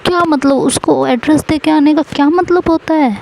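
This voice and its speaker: Woman voicing fiery jealous young wife, scolding, sarcastic, fairly high voice, faint hiss behind, storybook telling. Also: normal speed, vocal fry, a little mellow. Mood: angry.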